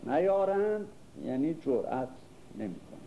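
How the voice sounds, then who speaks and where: An older man lectures a class in a very dark, mellow voice. He recites lines of classical verse, then unpacks them in relaxed everyday speech and puts questions to the room. A faint hiss runs beneath the recording. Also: a little high, muffled recording. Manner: reads verses, then explains them in casual speech and quizzes listeners. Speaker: literature teacher. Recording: faint background noise.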